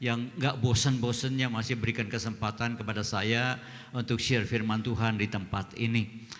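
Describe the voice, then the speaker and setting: A man at medium pitch in a monotone, flat intonation, moderate pace with hardly any pauses, and audible room echo. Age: 70s. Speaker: pastor. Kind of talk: sermon. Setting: church with congregation.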